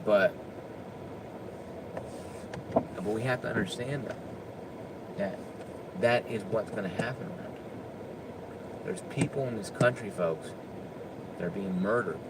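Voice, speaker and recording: A man with a low-pitched voice holds forth in an unscripted opinion rant. He talks with emphasis and often stumbles into repeated restarts. A clear hum of air conditioning and passing traffic runs under the recording. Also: slow, long pauses. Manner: emphatic, with frequent stammered restarts. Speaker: political commentator.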